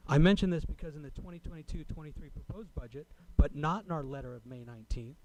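A man speaking as a resident at a public meeting, delivering a prepared comment in a formal, deliberate way. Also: fairly high pitch, a little mellow, rough recording. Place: city council chamber.

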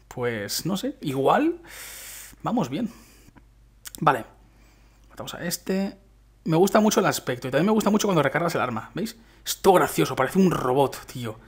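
A young man with a Spain Spanish accent giving excited, chatty commentary over a shooter game he is playing, talking straight to his viewers. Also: fairly high pitch. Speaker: gaming youtuber. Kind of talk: casual gameplay commentary.

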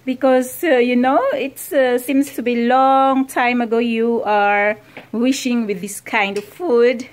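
A woman with a Filipino accent cooking at home for her husband in a casual vlog, talking in halting English mixed with German and Filipino words. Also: fairly high pitch, fairly even intonation. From Philippines. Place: home kitchen.

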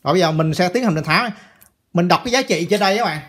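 A man's voice: high voice, lively intonation, rapid-fire, fairly bright tone. A man giving a casual hands-on electronics repair tutorial, chatty and repeating phrases as he talks to viewers.

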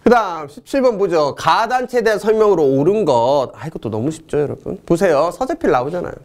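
Speaking briskly in a fairly high voice, a middle-aged history teacher walks through exam answers in a lecture. Between questions he jokes and makes excitable, chatty asides to the students.

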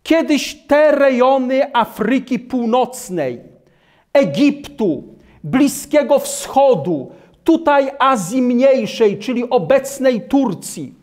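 Older male preacher, deliberate and emphatic delivery, animated pitch. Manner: slow, emphatic, gesturing at a map and holding up a booklet. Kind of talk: sermon lecture. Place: small hall with maps on the wall.

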